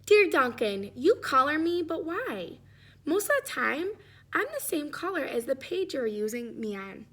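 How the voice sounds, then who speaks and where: A woman's voice: high voice, sing-song, unhurried, a bit bright, full character voice. A woman voicing a forlorn, overlooked white crayon in a storybook, plaintive and emphatic.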